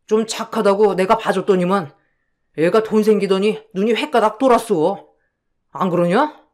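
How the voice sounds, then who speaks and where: A shameless middle-aged swindler, voiced by a man in an audio drama, talking in a high voice for a man. He coaxes slickly and then snaps into abusive shouting.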